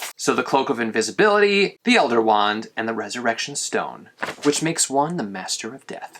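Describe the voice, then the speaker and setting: With an American accent, a man talks at a fairly quick pace and swings his pitch very widely. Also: medium pitch for a man, big swings in loudness. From Chicago, US Midwest. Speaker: YouTube collector channel host. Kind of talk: casual unboxing video, reading fan letters aloud. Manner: animated.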